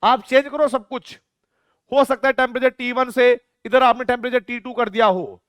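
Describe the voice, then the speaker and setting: Lively high-voiced man teaching physics. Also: clear, resonant tone, dry recording, studio quality. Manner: playful, asks rhetorical questions and answers them himself; slowly dictates definitions word by word. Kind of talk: exam-prep lecture.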